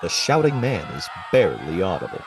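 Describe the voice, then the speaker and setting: A man's voice: low-pitched, wildly swooping pitch, brisk, a crowd in the background. A man playing the narrator of an audio play, describing the action as scripted narration. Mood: descriptive.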